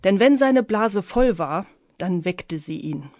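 A woman's voice: mid-range voice, expressive, slow pace, darkish tone, no echo, clean studio sound. A woman narrating her own children's audiobook in a playful storytelling manner. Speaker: author and narrator.

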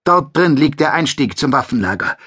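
A male audiobook narrator voicing a young alien soldier who leads a squad with brisk commands. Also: on the high side, expressive, a bit bright, slightly rough, no echo, studio quality, voice pushed up. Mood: confident.

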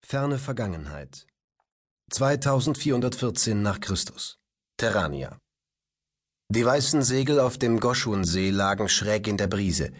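A man narrating a science-fiction audiobook in an expressive, scripted storytelling delivery. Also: lowish voice, unhurried.

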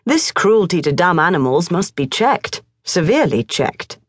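A woman voicing a stern, calmly reasoning middle-aged father in a storybook reading. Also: fairly low pitch, breathy edge, no room sound. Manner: measured, stern. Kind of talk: audiobook character voice.

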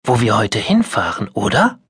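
A man's voice: fairly low pitch, big pitch swings, moderate pace, breathy edge, dry recording, studio quality, heavily acted. A man reading a storybook, voicing a kind, affectionate older grandmother. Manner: warm, affectionate, sometimes hushed. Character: kind loving old grandmother. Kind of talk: audiobook character voice.

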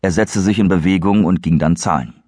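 A man narrates a thriller audiobook in a low, husky voice. His reading is measured and suspenseful. The sound is dry and close. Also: a little mellow, no echo. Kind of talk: scripted narration.

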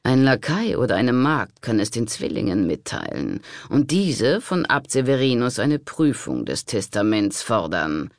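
A man reading an audiobook, voicing a sly, scheming monk who speaks in a slow, soothing, conspiratorial way. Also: medium pitch, sing-song, no room sound. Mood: cautioning.

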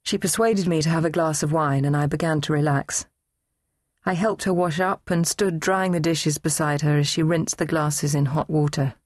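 A woman reading a novel aloud in first person, measured and composed. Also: deep voice, steady tone, a little mellow, dry recording. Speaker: audiobook narrator. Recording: dry, close studio read.

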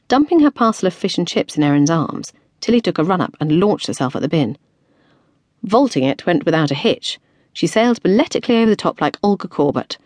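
Low, lively woman narrator. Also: dry recording. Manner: expressive, playful storytelling. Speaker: audiobook narrator. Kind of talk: scripted narration.

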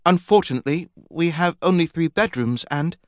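A man's voice: fairly high pitch, normal speed, no echo, studio quality, voice pushed up, lightly acted. A man voicing a flustered, polite young Regency wife who falters when pressed.

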